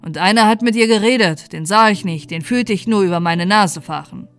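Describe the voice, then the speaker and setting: A woman voicing a gruff, gloomy village blacksmith in a fairy tale, blunt and loud. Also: medium pitch, a little fast, soft background music, natural voice.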